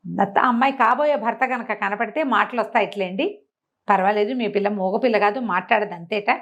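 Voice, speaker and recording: A woman's voice: medium pitch, a little fast, dull audio, lightly acted. A woman storyteller voicing a helpful, earnest young village man with a reassuring, explanatory way of talking.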